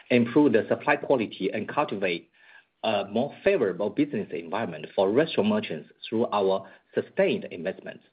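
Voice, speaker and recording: Man on a tinny, husky conference line. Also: medium pitch. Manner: formal, measured, reading prepared remarks. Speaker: company executive. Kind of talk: prepared corporate presentation on earnings call. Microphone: conference call line. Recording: muffled narrowband conference phone line.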